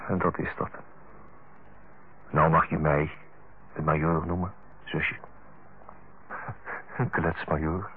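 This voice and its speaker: An actor playing an earnest, tender brother in a Dutch radio play, speaking in a solemn, eloquent, husky voice. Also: male voice, a bass voice, little pitch movement, slow, pauses often, a little hiss or hum. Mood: gently self-mocking. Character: earnest, tender brother counselling his older-aged sister. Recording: muffled, phone-like old radio recording.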